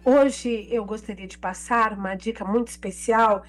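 Hoarse woman pharmacist giving radio tips. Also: medium pitch, fairly even intonation, moderate pace, soft background music. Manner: explanatory, lists products and phone numbers. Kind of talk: radio health tips segment.

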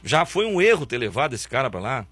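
Man, sports talk host, blunt sarcastic rant, husky bright voice, very animated pitch. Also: fast, no echo. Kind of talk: opinionated football commentary.

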